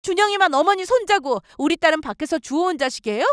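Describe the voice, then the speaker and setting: A woman's voice: extremely high pitch, animated, fast talker, dry recording, clean studio sound. A woman voicing a furious young new mother who scolds her in-laws sharply, in a dramatized radio story.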